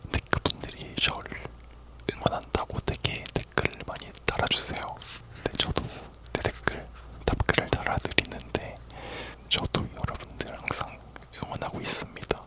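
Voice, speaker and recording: A person whispering a casual, rambling ASMR chat in a soft, unvoiced whisper. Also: normal speed. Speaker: ASMR video creator.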